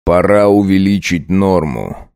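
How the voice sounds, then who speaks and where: A man playing a cold, domineering male vampire count who talks in a slow, clipped, hissing way. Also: sits low, a little mellow, clear, resonant tone, no echo, clean studio sound.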